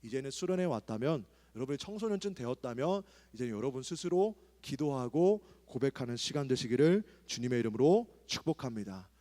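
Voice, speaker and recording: A male pastor preaching a sermon at a youth retreat, swinging from soft asides to loud calls to pray. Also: mid-range voice, very animated, fairly quick, few pauses. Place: large church hall. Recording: hall with long reverb.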